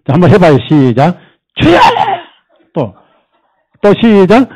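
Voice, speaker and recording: A man's voice: high voice, sing-song, normal speed, a little mellow, rough recording. A male pastor preaching at a church service, quizzing the congregation with rhetorical questions and mimicking people to make his points. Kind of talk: sermon.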